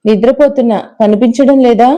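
A woman playing a cocky, short-tempered young man in a storybook drama, barking out brusque, scolding words. The voice sits a little high and very mellow. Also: brisk, highs cut off, natural voice. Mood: irritated. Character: young arrogant man, irritable and teasing.

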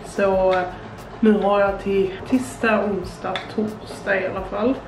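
A woman's voice: medium pitch, level tone. A young woman in her twenties chatting casually as she cooks, explaining each step with plenty of fillers. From Sweden. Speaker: vlogger. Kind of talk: casual cooking vlog. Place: small home kitchen indoors. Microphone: camera on the counter a little way off. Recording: echoey kitchen, camera mic from a distance, audible noise.

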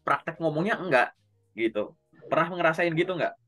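A man coaching a learner on job interviews in a relaxed, conversational way, speaking straight to them. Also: a little high, normal speed, soft background music. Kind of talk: casual online coaching session.

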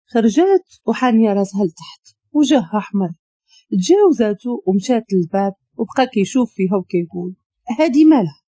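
A woman's voice: mid-range voice, lively intonation, fast talker, dark tone, husky, dry recording, lo-fi sound. A woman with a Moroccan accent narrating a story.

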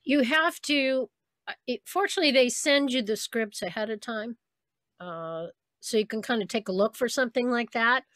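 A woman's voice: on the high side, moderate pace, a bit bright, no echo. A woman from Saint Louis, a voice actress, giving reflective, easygoing answers in an interview, laughing now and then. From Saint Louis, USA. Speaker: voice actress guest.

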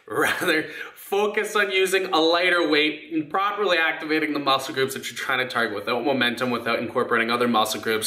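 A man's voice: a little high, pushed and bright. A young man coaching fitness in a blunt, emphatic, casually sweary vlog style, speaking to camera indoors. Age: young adult. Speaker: fitness coach and video host. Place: indoor rooms at home. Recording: echoey indoor room.

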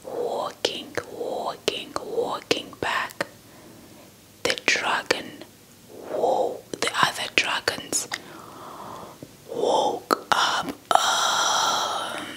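Young female ASMR storyteller, Xhosa speaker. Whispered, extremely unhurried, close-miked delivery. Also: pushed and bright, poor audio. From South Africa. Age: young adult. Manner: slow, deliberate, repeats words for effect. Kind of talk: whispered ASMR folktale narration. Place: small indoor setup before a cloth backdrop. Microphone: handheld mic with fluffy windscreen, held close.

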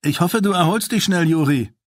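A man's voice: a little high, expressive, fairly quick, no echo, clean studio sound, voice pushed up, natural voice. A man voicing a proud, eager teenage boy soldier in an audiobook. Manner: proud, earnest. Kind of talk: audiobook character voice.

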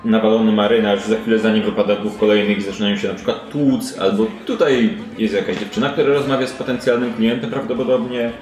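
A man's voice: on the low side, steady tone, fast, hardly any pauses, darkish tone. A man improvising conversational, descriptive narration as the game master of a tabletop role-playing session. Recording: roomy sound with music behind.

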